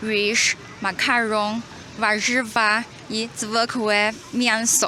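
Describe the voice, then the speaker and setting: Against noticeable background noise, a woman speaks at a fairly high pitch with a Chinese accent. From China. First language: Chinese (speaking Polish). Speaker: vlogger. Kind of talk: scripted explainer video. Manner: halting, with hesitations.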